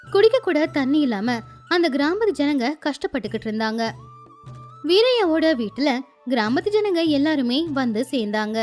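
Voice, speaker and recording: A woman narrating a children's moral story in a lively, sing-song storytelling manner. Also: high-pitched, normal speed. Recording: faint music behind.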